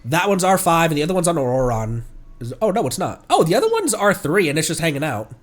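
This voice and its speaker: A man with a stuffed-up nose giving casual, rambling commentary as a livestreamer, often halting and correcting himself. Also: fairly high pitch, big pitch swings, faint music behind. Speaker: livestreamer, VTuber. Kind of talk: casual game stream commentary.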